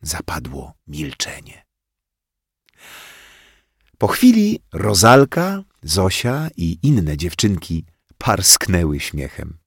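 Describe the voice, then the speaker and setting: Brief: low-voiced man narrating a children's story, lively intonation, dry studio sound. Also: vocal fry, slightly rough, no room sound. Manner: slow, expressive, plays many voices. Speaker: audiobook reader.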